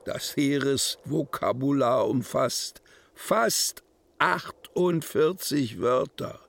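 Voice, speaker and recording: A man playing a brooding poetic narrator in a literary radio drama, declaiming in deliberate short phrases. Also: mid-range voice, animated, gravelly. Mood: wry, observing. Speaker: actor reciting poetry.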